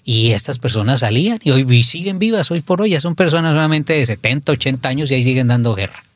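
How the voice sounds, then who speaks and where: A middle-aged man, a spiritual advisor, talking casually on radio with halting restarts. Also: mid-range voice, animated, dry recording.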